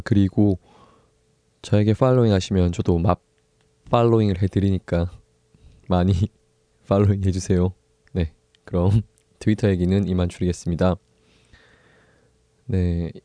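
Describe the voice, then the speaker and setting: A young man hosting his own book podcast, talking in an easygoing, soft-spoken way with pauses and small laughs. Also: low-pitched, dry recording. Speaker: podcast host. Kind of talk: casual solo book podcast talk.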